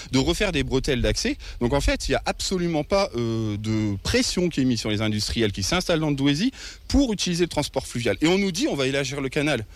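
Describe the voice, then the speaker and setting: Earnest young Frenchman, halting delivery. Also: mid-range voice. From northern France. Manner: earnest, many hesitations. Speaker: ecologist activist. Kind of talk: interview at a protest.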